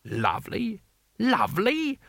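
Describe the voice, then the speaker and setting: A man's voice: medium pitch, huge pitch swings, slow pace, creaky, sharp tone, dry recording, clean studio sound, full character voice. A man voicing an elderly male customer, querulous and complaining, in an audiobook story. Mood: indignant.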